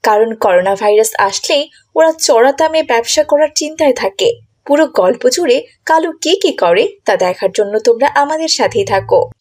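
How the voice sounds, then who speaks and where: Bangladeshi woman narrator, reads a cartoon story to viewers, voice a bit high. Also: animated, moderate pace, a little mellow, a little hiss or hum.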